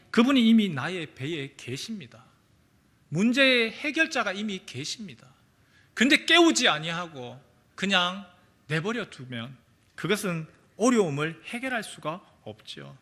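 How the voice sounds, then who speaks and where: A male pastor preaching a sermon in a church, with dramatic rises and hushed drops in his delivery. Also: a little high. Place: church sanctuary.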